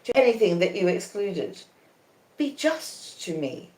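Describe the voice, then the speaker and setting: A woman voicing a proud, cool young lady in a storybook reading, calmly defiant, with measured and emphatic reasoning. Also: mid-range voice. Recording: echoey conservatory.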